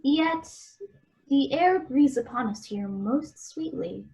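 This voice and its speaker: A woman's voice: high-pitched, lively intonation, takes it slowly, darkish tone, heavily acted, poor audio. A woman playing a glib, jeering nobleman in a Shakespeare radio play, with teasing, quippy delivery.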